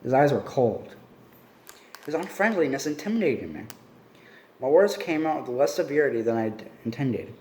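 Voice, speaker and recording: A man's voice: mid-range voice, sing-song, moderate pace, pauses often, a little mellow, reverberant, a little hiss or hum. A man casually reading a novel aloud, correcting his slips and chatting in between. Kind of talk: casual read-aloud with asides.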